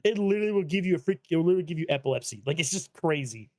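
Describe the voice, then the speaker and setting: A man's voice: fairly high pitch, lively intonation, rapid-fire, darkish tone, no echo. A man bantering casually with friends during a video reaction, slangy and emphatic, often repeating his phrases.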